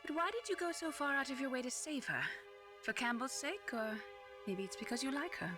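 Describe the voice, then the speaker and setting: A woman's voice: high voice, lively intonation, a little fast, over music. A woman playing a cool, probing, skeptical mission advisor in a video game, with a pointed, questioning manner. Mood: skeptical, teasing.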